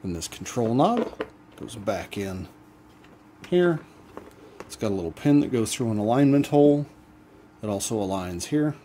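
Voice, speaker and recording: A man hosting a do-it-yourself channel, explaining a repair step by step in a relaxed, casual way as he works at a bench. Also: lowish voice, unhurried, long pauses, slight background noise. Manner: relaxed step-by-step explaining while working hands-on. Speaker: DIY channel host. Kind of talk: casual how-to demonstration.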